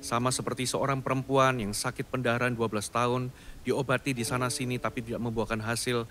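A man's voice: mid-range voice, fairly quick. A male pastor giving a short devotional and then leading a fervent healing prayer with commanding declarations. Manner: calm, soft-spoken storytelling. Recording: studio voice-over with faint music behind.

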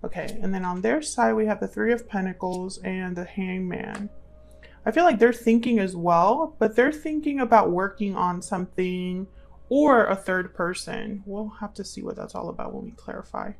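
A woman's voice: medium pitch, normal speed, vocal fry. A woman hosting a casual tarot reading for viewers, musing aloud as she explains and calls on spirit guides. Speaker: tarot reader and channel host.

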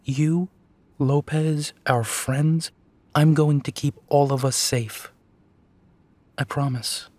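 Werewolf detective, male voice actor, audio roleplay: protective, tender, unhurried delivery, dry intimate sound. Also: fairly high pitch, fairly even intonation, no echo. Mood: tender, reassuring. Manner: slow, soft, reassuring, with pauses and sighs. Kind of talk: intimate second-person audio drama roleplay.

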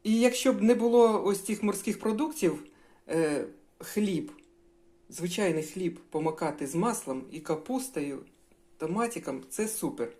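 A woman's voice: on the low side, lively intonation, normal speed, dark tone. An older woman chatting casually at home while she tastes food and cooks, giving homely advice to her viewers. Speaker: home cooking vlogger. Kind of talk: casual talk while tasting and cooking.

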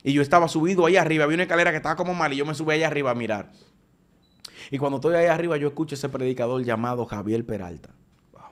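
A man, a preacher giving his testimony in an animated conversational way, often restarting his sentences. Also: fairly high pitch, very fast. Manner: animated storytelling with frequent restarts.

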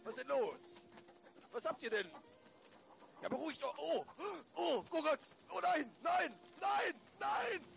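Man acting a rambling farmer with creaky voice. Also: very high-pitched, expressive, a little slow, fairly bright tone, raised voice, slight background noise, exaggerated voice. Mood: alarmed. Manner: rambling, self-repeating. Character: good-natured Swedish farmer, homely and plodding. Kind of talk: improvised German radio play.

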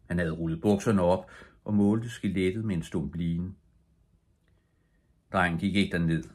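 Older man with a low, husky reading voice. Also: steady tone, a little mellow. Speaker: audiobook reader. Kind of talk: bedtime story read aloud.

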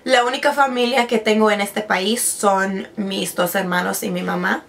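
A woman in her twenties, raised speaking Spanish but now mostly using English, vlogs casually as a beauty creator from her bedroom at a vanity desk. Her medium-pitched, steady, fairly bright voice has a creaky edge at normal speed, and she chats along with frequent restarts and English words slipped in. The camera sits in front of her at medium distance while she's seated.

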